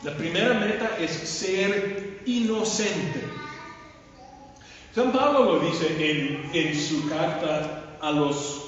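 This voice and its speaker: A man preaches slowly and haltingly in Spanish, which is not his first language, now and then slipping into English fillers. His slightly higher voice comes from well off the mic and rings through a big, echoey church. The sound is muffled, the way a church livestream often is. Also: expressive, far from the mic. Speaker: pastor. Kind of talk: sermon. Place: large church sanctuary.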